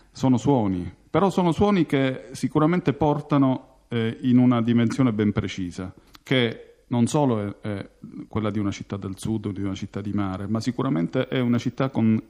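A man's voice: on the low side, warm tone. A man from Sicily, a musician, talking reflectively in an interview and often searching for his words. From Palermo, Sicily.

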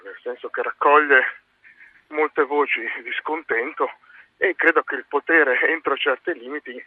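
A man speaking as an expert guest in a phone interview, explaining in a measured way with pauses mid-phrase. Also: mid-range voice, husky, no echo. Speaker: university lecturer, expert guest. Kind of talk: live phone interview commentary. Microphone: telephone. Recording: narrow tinny phone line.

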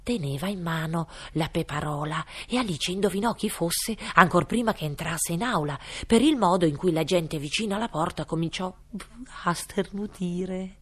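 A woman reading a classic children's tale aloud in a theatrical, deliberate way. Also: on the low side, slightly rough. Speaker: reader.

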